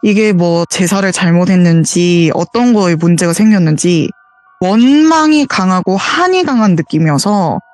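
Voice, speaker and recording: A woman's voice: lowish voice, animated, moderate pace, darkish tone, dry recording, faint music behind. Earnest woman caller telling a ghost story. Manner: earnest, detailed retelling with quoted dialogue. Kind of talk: casual spoken storytelling. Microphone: voice call.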